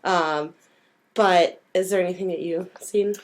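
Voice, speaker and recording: A woman with a hoarse voice from a cold, chatting casually and informally as a podcast co-host, given to giggling. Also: fairly low pitch, steady tone, unhurried. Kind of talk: casual chat.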